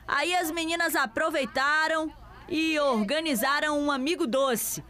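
Woman, sports reporter, high voice, brisk news narration. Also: bright, forceful tone.

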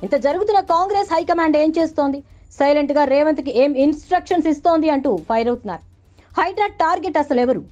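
A woman's voice: high-pitched, racing, a little mellow. A woman reading a scripted news voice-over as narrator. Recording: dull lo-fi audio under music. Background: background music bed.

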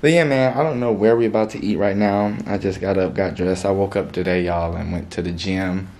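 A man's voice: sits low, steady tone, a little fast, a little mellow. A young man hosting his vlog in casual, slangy chat, talking straight to his viewers. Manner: laid-back slangy chatter, calls viewers "y'all". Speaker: YouTuber host.

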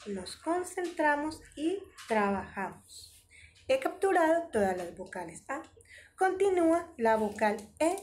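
A woman's voice: sits high, sing-song, a little slow, a little mellow, a little hiss or hum. A woman teaching an online preschool lesson, talking in an exaggerated, sing-song, encouraging way.

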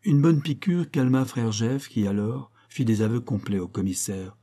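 A man narrating an audiobook in a measured storytelling manner. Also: medium pitch, mellow. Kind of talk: scripted narration.

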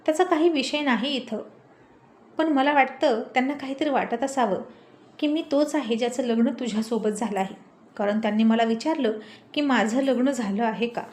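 A woman voicing a shy young married man who answers in a hushed, teasing way. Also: a little high, normal speed, natural voice.

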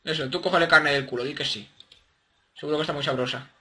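A man giving casual, excitable gameplay commentary and playfully cooing at his game creatures. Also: on the high side, quick pace.

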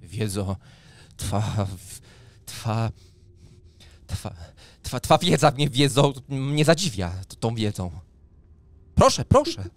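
A man's voice: mid-range voice, big pitch swings, slow, long pauses, no room sound. Imperious elf mage, played by a male game master, condescending orders, mid-range voice, tabletop fantasy. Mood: impressed, pompous. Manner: pompous, imperious.

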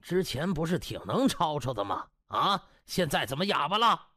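男人演绎的严厉训人的老院长，起伏很大. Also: male voice, on the high side, big pitch swings, bright, forceful tone, no room sound, studio quality, full character voice. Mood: scornful, angry. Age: older. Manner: slow drawn-out scolding, rhetorical questions. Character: stern disappointed old male hospital director, scolding, contemptuous.

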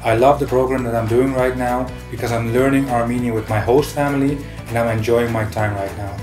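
A man in his twenties from Holland speaking casually to camera as a volunteer, warm and plain. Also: mid-range voice, steady tone, a little fast. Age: 20s. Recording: echoey room with guitar music.

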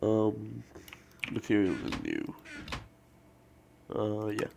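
A young man with a low-ish voice and a thick, stuffy nose from a cold. He chats loosely over his gameplay, full of fillers and self-corrections, speaking into a desk mic at his computer. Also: wildly swooping pitch, very slow, vocal fry, background noise. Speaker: let's play host. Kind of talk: casual gameplay commentary.

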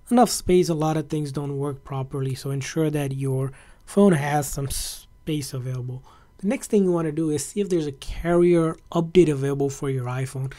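A man's voice: a little high, dark tone. A man narrating a casual step-by-step tutorial in a conversational, instructional way as a tech presenter.

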